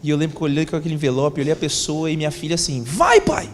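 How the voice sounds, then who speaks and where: A man's voice: fairly high pitch, level tone, rapid-fire, a little mellow. A man, a pastor telling a story in a sermon, acting out the dialogue in casual slang. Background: faint music.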